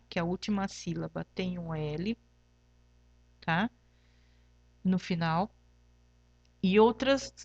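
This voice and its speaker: A woman's voice: mid-range voice, no echo, muffled recording. A woman teacher with a Brazilian Portuguese accent, patiently explaining a lesson and checking in with "tá?" after each point, spelling examples out syllable by syllable. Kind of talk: remote classroom lesson.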